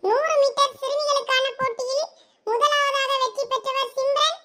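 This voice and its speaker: A woman with a Thoothukudi Tamil accent voicing a formal announcer at a village sports meet in a cartoon, calling out races slowly from a distance. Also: extremely high pitch, steady tone, voice pushed up. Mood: formal announcing. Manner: formal, slow, announcing over a loudspeaker. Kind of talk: cartoon voice acting.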